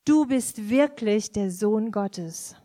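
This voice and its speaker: A woman's voice: mid-range voice, lively intonation, slow, warm tone. A woman reading scripture and interpreting a sermon phrase by phrase, following the preacher closely.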